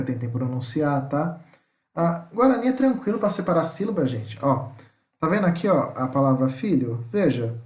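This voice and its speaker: In an echoey room, a man with a somewhat high, slightly mellow voice teaches a language online. He's patient, pausing after every point to check in, and occasionally pronounces words slowly.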